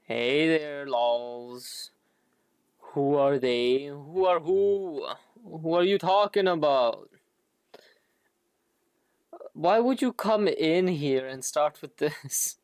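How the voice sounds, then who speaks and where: Slow, laid-back woman livestreamer, dry sound. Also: deep voice, a little mellow, smooth, no echo. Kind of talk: casual stream reaction commentary.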